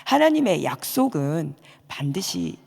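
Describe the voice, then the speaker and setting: Woman pastor preaching, low gravelly voice, long church reverb. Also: very animated, a little mellow. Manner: earnest, measured preaching. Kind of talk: sermon and prayer. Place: church sanctuary.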